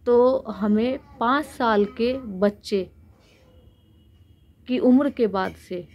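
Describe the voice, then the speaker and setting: An Indian woman giving an explanatory Hindu religious discourse, speaking earnestly and unscripted with pauses, her throat a little sore. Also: fairly high pitch, dull audio. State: sore throat with frequent throat clearing.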